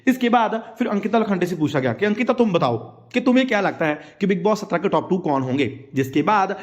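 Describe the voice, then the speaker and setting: A man's voice: high-pitched, animated, brisk, dull audio. A man giving a casual, opinionated recap of reality-show gossip, chatty and often correcting himself mid-sentence. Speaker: entertainment news commentator.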